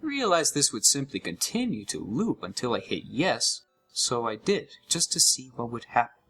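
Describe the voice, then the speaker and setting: A man giving an expressive, scripted first-person narration of a horror story. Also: medium pitch, moderate pace, breathy edge, faint music behind.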